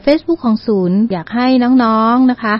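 A woman's voice: a little high, expressive, normal speed. Polite woman radio lecturer, lo-fi sound. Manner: polite, with frequent Thai particles, mixing in English terms. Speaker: university learning centre presenter. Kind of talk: educational community radio talk. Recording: dull lo-fi radio recording.

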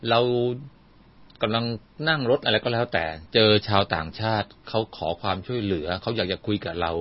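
Older man, teacher, patient step-by-step explainer, lowish voice, dull lo-fi recording. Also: moderate pace. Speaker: English teacher guest. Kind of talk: explanatory lesson talk.

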